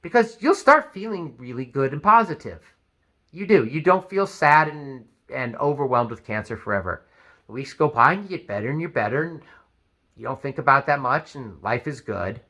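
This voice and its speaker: An animated man talks to the camera, giving plain advice. His voice has a bright, forward edge. His pitch swings widely as he acts out what other people say. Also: normal speed. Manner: animated, acts out quoted speech. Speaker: vlogger. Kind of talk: advice video talk.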